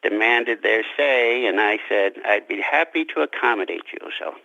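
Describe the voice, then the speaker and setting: Lowish, bright-edged man, slightly dull recording. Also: expressive, normal speed, creaky, no echo. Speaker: interview guest, author. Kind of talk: conversational interview.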